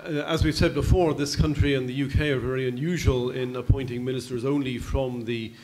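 An older man speaking as an expert panelist at a public convention, explaining at a measured pace with some hesitant restarts, into a table microphone in a large conference hall. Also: medium pitch, fairly even intonation, darkish tone.

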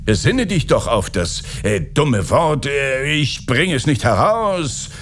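A man voicing a jovial, excitable caliph turned into a stork, with a lively, exclaiming delivery. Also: mid-range voice, slow pace, a little hiss or hum, pitched above the performer's own voice. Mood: merry.

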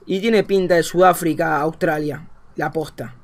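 A young man with an Argentine Spanish accent, commentating a game as a streamer, thinking aloud and swinging between quiet muttering and excited outbursts. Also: fairly high pitch, moderate pace. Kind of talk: gameplay commentary.

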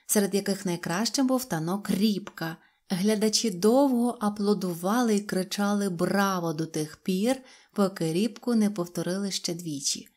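A woman reading a children's fairy tale aloud with gentle, expressive storytelling. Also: medium pitch. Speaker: audiobook reader. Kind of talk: fairy-tale audiobook narration.

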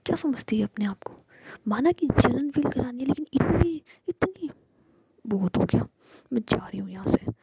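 A woman's voice: high-pitched, expressive, moderate pace, darkish tone, dull audio, pitched above the performer's own voice, exaggerated voice. A woman voicing a hurt, jealous young woman with snappy, sulking retorts, in a whispered role-play. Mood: sulky. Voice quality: breathy whisper.

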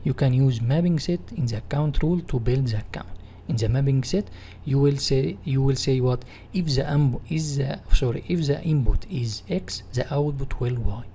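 A man with an Egyptian Arabic accent teaches in a mellow, mid-pitched voice. He reads out material and rephrases it in non-native English, like a software tutorial. There is faint noise on the recording. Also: moderate pace, few pauses. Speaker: instructor. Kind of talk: software tutorial reading slides and explaining.

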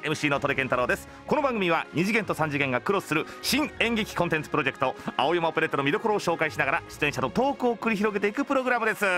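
A man hosting an upbeat radio show as MC in a studio, his voice slightly hoarse. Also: fairly high pitch, bright, forceful tone. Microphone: studio microphone.

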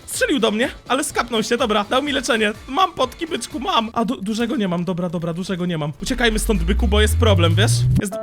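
A young man giving excited gameplay commentary as a streamer, jumpy and quick to laugh. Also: high voice, soft background music. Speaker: gaming streamer.

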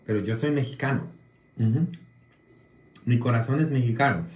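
A man's voice: medium pitch, darkish tone, roomy sound. A Polish-born man, a Catholic priest whose first language is Polish, talks casually to his online viewers and keeps checking in with little "mm?" questions. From Poland. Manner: slow, drawn-out delivery with frequent "mm?" tag questions.

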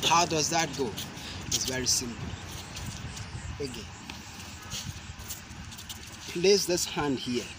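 A young man demonstrating self-defense moves, explaining each step slowly and deliberately, with sharp shouted cries on the strikes. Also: mid-range voice. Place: outdoor concrete court. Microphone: camera mic at a distance. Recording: outdoor noise from a camera mic.

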